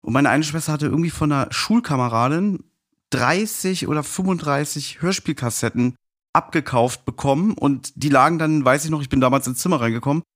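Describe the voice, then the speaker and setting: A man's voice: on the high side, brisk, a bit bright. A man of forty telling personal stories casually as a guest on a podcast. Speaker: podcast guest, fan of audio plays.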